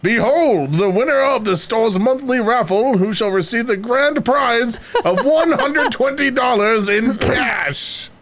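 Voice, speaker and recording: A man voicing a mysterious stranger, a fantasy herald announcing a prize in a booming, ceremonious way during an improvised role-play. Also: lively intonation, measured pace, hardly any pauses, fairly bright tone, slight background noise, full character voice. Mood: grand, ceremonious.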